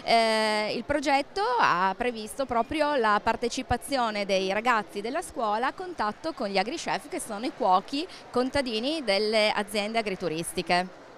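A woman's voice: fairly high pitch, expressive, moderate pace, fairly bright tone, slight background noise. A young woman interviewed at a fair stand, hesitating and searching for words as she explains, speaking into a handheld mic. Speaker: interviewee, training manager. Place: indoor exhibition stand at a book fair.

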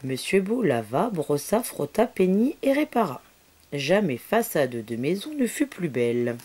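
A woman reading a children's story aloud, her voice rising and falling in lively, expressive sweeps. The tone is soft and mellow, sitting a little low, and she drops into soft whispered asides to the child. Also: unhurried, a little hiss or hum.

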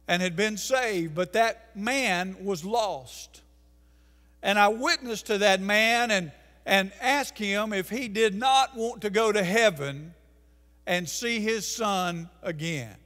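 An older man preaches in a church sanctuary, his voice pitched high for a man. He presses his points hard and slows down on the phrases he wants to land. The sound rings out with a long reverb from the room. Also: fairly bright tone. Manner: emphatic preaching, slowing for key phrases, gesturing at pulpit. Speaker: pastor. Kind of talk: sermon. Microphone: pulpit mic.

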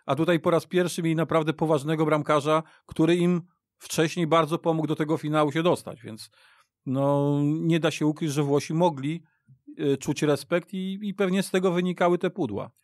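A man discussing football as a guest pundit on a radio podcast, haltingly, repeating and restarting words. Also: on the high side, steady tone, dry recording, studio quality. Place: radio studio.

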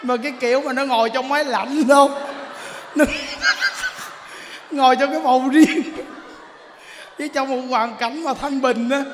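A male Buddhist monk with a Southern Vietnamese accent delivers a joking Dharma talk in a notably high voice. He tells stories with animated exclamations and frequent laughs. The recording has a long hall reverb and a faint background hiss. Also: a little slow, long pauses.

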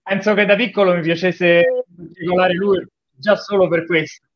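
Fairly high-voiced man, muffled audio. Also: steady tone, normal speed. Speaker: watch-along commentator. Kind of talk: casual group watch-along commentary of an anime. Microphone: video call. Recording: dull, lo-fi video-call audio.

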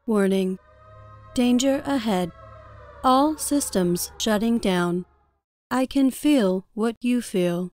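A woman voicing a calm artificial intelligence with a measured, robotic delivery. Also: fairly high pitch, faint music behind.

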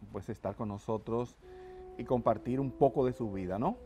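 A man's voice: medium pitch, normal speed, warm tone, slight background noise. An older man hosting a Catholic TV talk show, earnest and welcoming, speaking on a lapel mic in a studio. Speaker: host. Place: TV studio set, seated in armchair.

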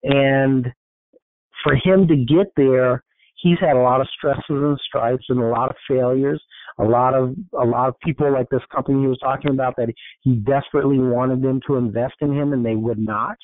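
A man talks loosely and informally on a group call, circling back with frequent fillers and restarts as he motivates his listeners. His voice sits at an ordinary middle pitch. The audio is thin and phone-like, with a dry, close sound. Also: steady tone, moderate pace, dry recording. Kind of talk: casual motivational talk. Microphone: conference call line.

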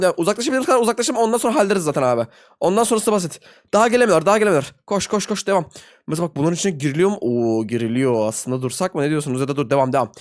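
A young man giving excitable live gameplay commentary as a video host, talking to viewers in slangy banter and yelping high when frustrated.

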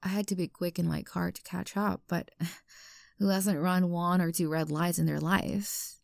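A woman's voice: fairly low pitch, fairly even intonation, darkish tone, no echo, clean studio sound. A woman playing an obsessive, unstable young stalker girlfriend in an intimate ASMR roleplay, sweet and menacing by turns. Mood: lovestruck, coy. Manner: breathy whispers, halting, swinging from coaxing to outbursts. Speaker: voice actor in audio roleplay.

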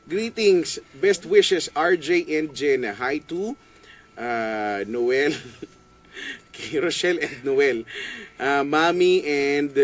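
A Filipino-accented man works as a radio DJ in a small studio, greeting listeners and bantering in a giggly, playful way. His voice is a little high and very slow, picked up by a studio boom mic while he wears headphones.

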